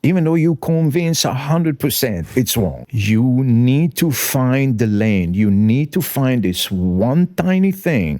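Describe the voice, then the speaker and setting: A man with an Israeli accent speaks very slowly at a medium pitch, with a dark, mellow tone and very wide pitch swings. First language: Hebrew. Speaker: session drummer. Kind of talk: interview.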